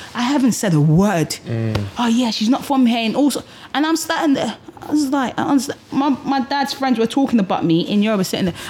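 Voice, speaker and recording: Over noticeable background noise, a woman talks at a fairly quick pace in a high pitch with lively intonation. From Nigeria. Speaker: podcast co-host. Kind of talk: casual chat. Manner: chatty, joking.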